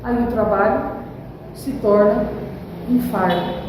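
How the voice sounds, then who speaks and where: A woman's voice: medium pitch, slow pace, background noise. A woman pastor preaching a sermon, building emphasis and acting out everyday examples. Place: church hall. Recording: echoey church hall from far off.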